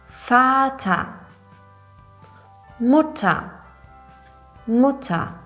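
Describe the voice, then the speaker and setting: Slow, careful woman language teacher. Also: mid-range voice. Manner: slow, clearly articulated, demonstrates sounds and example words. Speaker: German pronunciation teacher. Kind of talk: scripted teaching narration.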